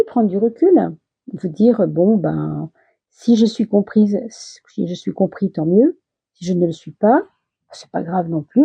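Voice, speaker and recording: A mid-range, gravelly and husky female voice, captured in dry, dull audio, hesitantly works through a casual monthly tarot reading full of fillers and restarts. Her voice is wearing out and turning throaty, and she pauses to clear her throat.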